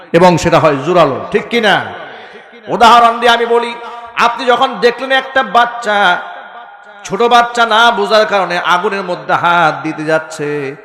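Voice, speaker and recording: Fiery high-voiced preacher, echoing. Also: male voice. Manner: impassioned, rhetorical questions to the crowd, bursts into shouting. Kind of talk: Islamic sermon. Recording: echoey hall with long reverb.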